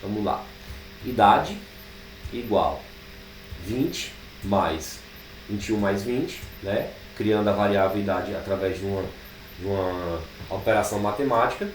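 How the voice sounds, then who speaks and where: A Brazilian man teaching programming, thinking aloud as he types code, with drawn-out fillers. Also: on the low side, expressive, recorded from a distance. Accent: Brazilian Portuguese. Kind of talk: live coding class. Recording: echoey room, speaker away from the mic, faint background noise.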